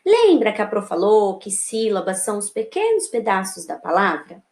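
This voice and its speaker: Sing-song Brazilian teacher in an echoey room. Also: female voice, mid-range voice, sing-song, darkish tone. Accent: Brazilian Portuguese. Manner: slow, sing-song teacher voice, often checking with "né?" and "tá bom?". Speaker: primary school teacher. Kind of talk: recorded remote lesson walking through a workbook.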